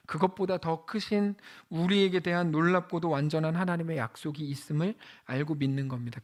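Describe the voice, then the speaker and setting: A male pastor preaching a sermon in a conversational way, asking the congregation questions and swinging from loud exclamations to hushed lines. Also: high-pitched.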